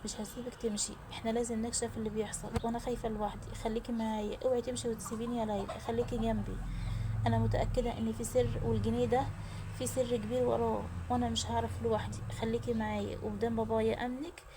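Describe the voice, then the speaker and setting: A woman's voice: on the high side, little pitch movement, racing, noisy background, lightly acted. Woman playing an anxious Egyptian daughter. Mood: pleading, anxious. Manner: pleading, earnest. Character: anxious young daughter, earnest and worried.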